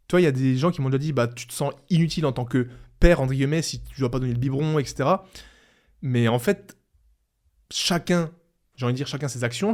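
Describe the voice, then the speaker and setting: A man's voice: mid-range voice, a little mellow. A young man hosting a solo podcast, giving advice in a chatty, conversational way, with fillers and restarts. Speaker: podcast host.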